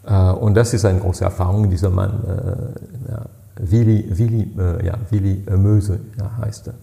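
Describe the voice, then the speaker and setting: A man in his sixties with a French accent, a native French speaker, answering interview questions as a guest in German. He tells stories haltingly and searches for words, with many fillers. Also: low voice, fairly even intonation, vocal fry, mellow. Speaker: party president, guest.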